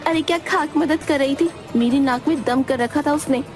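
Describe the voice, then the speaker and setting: A woman's voice: sits high, moderate pace, natural voice. A woman voicing a plump, always-hungry young bride in a cartoon story, whiny and dramatic. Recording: loud background music.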